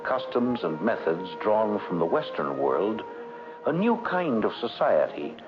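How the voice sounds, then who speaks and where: A man narrating a scripted 1960s educational documentary in a measured, formal delivery. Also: on the low side, sing-song. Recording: dull vintage 1960s film soundtrack. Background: background music.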